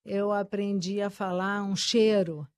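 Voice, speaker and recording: A woman from Uruguay whose first language is Spanish, a guest in an interview, speaking with many pauses and fillers. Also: medium pitch, fairly even intonation, darkish tone, clean tone, no echo. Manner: slow, hesitant, many fillers like "né" and "eh". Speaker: guest author and psychoanalyst. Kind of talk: conversational interview.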